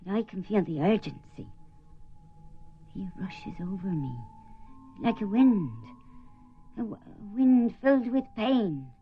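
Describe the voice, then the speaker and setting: A woman playing an earnest older Christian spirit medium in a radio drama, speaking solemnly and insistently with dramatic pauses. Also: mid-range voice, lively intonation, soft background music. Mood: urgent, haunted. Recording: muffled radio play recording, noisy ambience.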